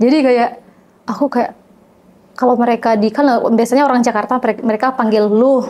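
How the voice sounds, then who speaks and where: A woman with a high pitch speaks at a fairly quick pace and very even loudness, broken by long, frequent pauses. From Mentawai, West Sumatra, Indonesia. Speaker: university student. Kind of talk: interview, personal story. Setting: studio. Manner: halting, many fillers.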